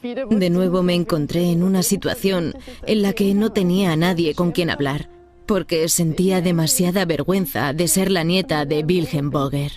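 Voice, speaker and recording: A woman's voice: lowish voice, fairly even intonation, moderate pace. A woman speaking earnestly and reflectively about her experience in a dubbed interview. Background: music.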